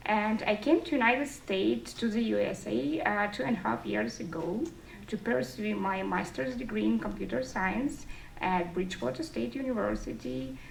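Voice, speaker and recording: A woman's voice: medium pitch, moderate pace, creaky. A woman, giving a public speech in phrasing to an audience. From Estonia. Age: 30s. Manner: non-native English phrasing. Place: indoor forum room with an audience. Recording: distant mic, roomy echo, faint noise.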